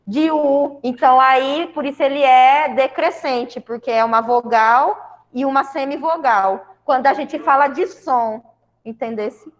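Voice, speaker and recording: A school Portuguese teacher from Brazil explains grammar to her class in a large hall, her high-pitched voice moving at a measured pace. She has a Brazilian Portuguese accent and works step by step, regularly pausing to check on her students.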